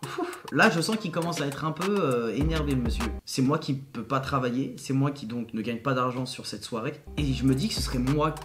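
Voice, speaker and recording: A man's voice: medium pitch, a little fast, hardly any pauses, music in the background. A man giving casual, slangy commentary in an incredulous, emphatic way, often repeating himself. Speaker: YouTuber commenting on his recorded call.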